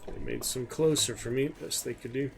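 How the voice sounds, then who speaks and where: A man giving casual, low-key gameplay commentary, musing to himself over game sounds. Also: fairly even intonation, normal speed, faint music behind. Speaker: gamer commentating own gameplay. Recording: clear game noise behind voice. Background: video game sounds.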